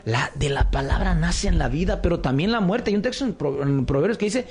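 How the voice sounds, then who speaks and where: A man's voice: on the high side, animated, a little fast, a little mellow, slightly rough. A man talking earnestly on a Christian radio show, telling stories with many restarts. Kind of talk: casual Christian radio discussion.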